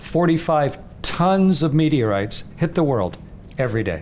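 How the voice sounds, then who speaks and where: There is light background noise behind this man. His pitch swings very widely. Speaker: panelist. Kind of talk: panel discussion. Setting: stage with audience. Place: hall. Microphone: headset.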